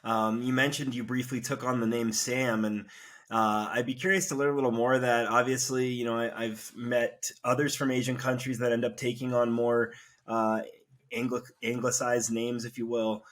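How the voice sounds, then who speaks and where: A man's voice: medium pitch, little pitch movement, moderate pace, a bit bright. A man hosting a podcast, asking curious, friendly questions with plenty of fillers. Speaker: podcast host. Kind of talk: conversational interview.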